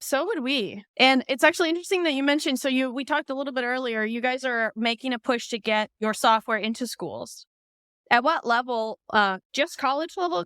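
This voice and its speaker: A woman podcast host from Iceland, chatting in a lively, talkative way with lots of asides. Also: high voice, clean tone, dry recording. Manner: chatty, lively, talks through ideas with asides. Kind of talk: casual conversation.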